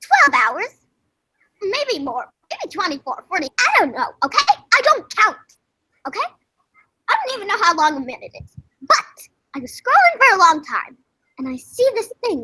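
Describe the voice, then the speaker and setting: A woman in a put-on character voice speaks at an extremely high pitch, her loudness swinging hugely and her pitch leaping very widely, with long pauses coming often. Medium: stage play. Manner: sassy, emphatic, says "okay?" a lot.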